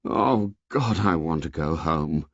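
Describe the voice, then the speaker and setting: A man voicing a shaken boy leader who speaks low and haltingly. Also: lively intonation, gravelly, no echo, muffled recording, exaggerated voice. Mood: stricken.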